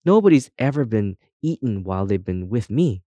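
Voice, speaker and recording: A man's voice: on the low side, big pitch swings, normal speed, warm tone, no room sound. Man voicing a breezy, cocky female brass compass. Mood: breezy, cheerful. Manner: breezy, boastful, colloquial. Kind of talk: children's audiobook character voice.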